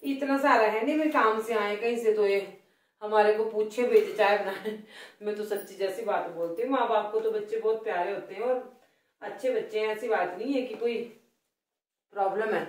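A middle-aged woman with a Himachali Hindi accent chats loudly and grumbles a little while she cooks. Her voice sits at an average pitch. It comes from a phone placed some way off in a home kitchen, with a roomy echo around it. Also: steady tone, moderate pace. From Himachal Pradesh, India. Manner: chatty, complaining, talks loudly. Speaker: cooking vlogger. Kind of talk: casual cooking vlog chat. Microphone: phone placed away from her. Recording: roomy phone audio from a distance.

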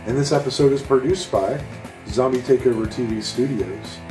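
A man's voice: medium pitch, normal speed, recorded from a distance. Echoey male credits announcer over music. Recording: roomy echo, off-mic, music underneath.

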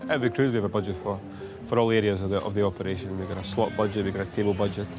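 Fast-talking male casino manager. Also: fairly low pitch, fairly even intonation. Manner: quick, chatty. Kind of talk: work talk with staff and guests. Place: ship casino, indoors. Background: music.

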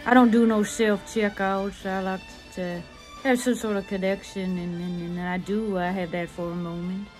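A woman's voice: mid-range voice, little pitch movement, normal speed, a little mellow, faint music behind, close to an everyday voice. A woman playing a blunt, world-weary character in a comedy monologue. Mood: weary, earnest.

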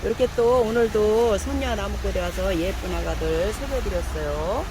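A plant seller walks a camera through her shop, chatting casually as she shows her plants. She speaks of each one fondly, as if it were a little child. Faint traffic and ambient noise sit quietly behind her voice. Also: mid-range voice, normal speed. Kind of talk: casual product showcase.

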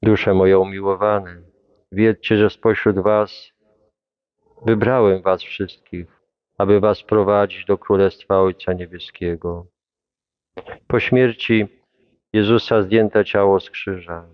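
A man reading a devotional Passion text aloud in a solemn, measured, reverent way. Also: sits low, level tone, clear, resonant tone, no room sound, dull audio.

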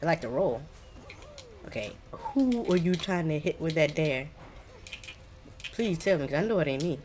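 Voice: mid-range voice, animated, moderate pace, darkish tone, slight background noise. A gaming streamer with an African American accent, giving casual, colloquial gameplay commentary and reacting as they play. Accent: African American English.

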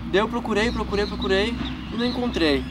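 Young gaúcho dude, highish voice, chatty vlog talk, filmed outside from a distance, noisy park. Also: male voice, quick pace. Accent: southern Brazilian gaúcho Portuguese. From Rio Grande do Sul, Brazil. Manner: chatty, lots of filler tags, laughs at himself. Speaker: gaming YouTuber. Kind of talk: casual vlog, answering fan questions. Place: outdoors in a wooded park. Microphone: camera mic from a few feet away. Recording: distant camera mic with outdoor noise.

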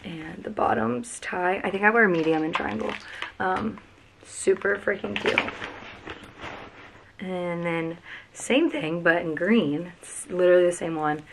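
A woman's voice: fairly low pitch, measured pace, creaky, slight background noise, poor audio. A young woman, chatting and gushing through a casual packing vlog in a cluttered bedroom, recorded by a camera a few feet away. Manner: chatty, gushing, lots of "like" and "freaking". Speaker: vlogger. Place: cluttered bedroom, sitting on the floor.

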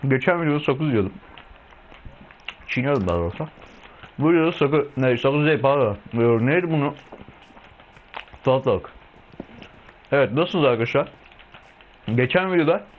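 A man's voice: medium pitch, expressive, measured pace, pauses often, slight background noise, rough recording. A young man hosting a casual gameplay video, rambling and swearing freely as he eats while he talks. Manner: chatty and rambling, munching food while talking, swears freely. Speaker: gaming video host.

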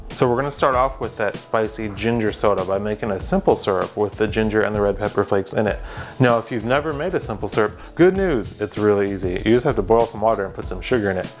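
A young man hosting a home cooking demonstration in his kitchen, talking straight to the viewer with deadpan joking asides. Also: lowish voice, quick pace, faint music behind. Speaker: cooking show host.

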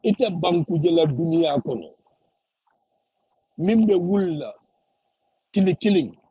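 A man's voice: on the high side, animated, a little slow, slightly rough, no room sound, muffled recording. A man giving impassioned political commentary, repeating phrases for emphasis.

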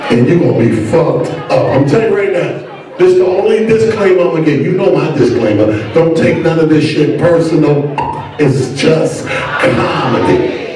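A man hosting a stand-up comedy show in a hotel ballroom, joking loudly and profanely with the audience on a handheld mic. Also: fairly high pitch, animated, moderate pace. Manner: loud, profane, laughing banter with the crowd. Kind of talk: stand-up crowd work. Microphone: handheld mic, filmed from far back. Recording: echoey ballroom, distant camera, loud crowd. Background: loud music and laughing crowd.

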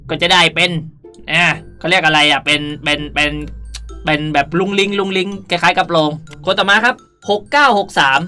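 A young man hosting a casual gameplay tutorial in a playful, animated way with cutesy polite sentence endings. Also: sits high. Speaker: gaming video host. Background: background music.

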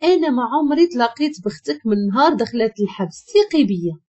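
A woman's voice: on the high side, animated, fast, darkish tone. A woman voicing a distraught young husband with a Moroccan accent, pleading and urgent.

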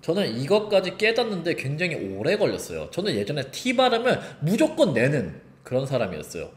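Lively teacher in an echoey room. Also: male voice, a little high, fairly quick. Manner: lively, explains and demonstrates sounds. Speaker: English teacher. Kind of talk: online pronunciation lesson. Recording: roomy echo.

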